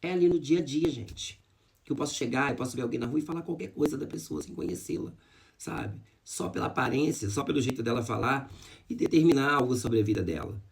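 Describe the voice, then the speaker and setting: A man speaks to his viewers about a painful time, turning to faith as he goes. His voice has a gravelly edge, and his pitch is neither high nor low. He talks to them directly and with feeling, like a heartfelt video diary. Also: a little fast, slight background noise. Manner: emotional, addresses viewers as "gente", religious. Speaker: vlogger. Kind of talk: personal testimony to camera.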